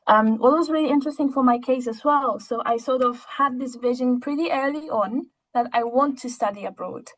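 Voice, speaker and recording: In a rough recording, a high-voiced young adult from Poland, whose first language is Polish, answers interview questions conversationally. The biochemistry student is chatty and informal, often veering into asides.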